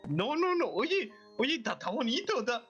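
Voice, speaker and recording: A man's voice: very high-pitched, sing-song, moderate pace, fairly bright tone, breathy edge, dull audio, soft background music. A young man improvising in-character Minecraft roleplay chat in a playful, clowning manner.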